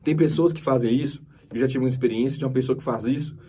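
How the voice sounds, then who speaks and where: A man's voice: mid-range voice, very fast, warm tone, distant mic. A man with a Brazilian Portuguese accent, teaching a lesson over slides and repeating his key points with emphasis. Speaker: course instructor.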